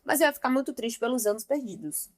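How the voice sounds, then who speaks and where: A woman's voice: on the high side, lively intonation, quick pace. Emphatic young woman giving a devotional talk. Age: young adult. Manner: emphatic, talks straight to the listener as "meu amor" and "gente". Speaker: Christian devotional speaker.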